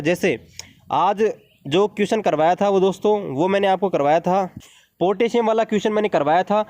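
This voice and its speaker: High-voiced teacher drilling students. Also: male voice, a little mellow. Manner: repeats questions and answers them, often says 'dosto'. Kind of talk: exam-prep lesson at a board.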